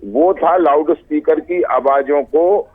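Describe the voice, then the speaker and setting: A man's voice: a little high, slow pace, breathy edge. A man with an Indian accent arguing formally and emphatically as a party spokesperson in a TV debate over a remote call. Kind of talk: TV debate argument. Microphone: remote call link. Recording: tinny narrowband phone-like line.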